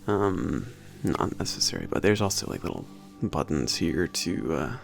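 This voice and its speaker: A man playing a laid-back, cocky werewolf trainer at a spaceport in an ASMR roleplay, talking casually with teasing, swearing and halting phrases. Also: sits low, lively intonation, gravelly, soft background music. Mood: relaxed, fond. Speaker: trainer showing a new hire around. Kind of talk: ASMR roleplay, casual one-sided conversation.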